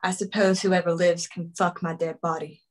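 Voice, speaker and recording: A woman's voice: on the low side, level tone, moderate pace, natural voice. A woman reading a blunt, defiant gun-toting woman. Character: tough, defiant young woman holding a pistol. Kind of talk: script table read.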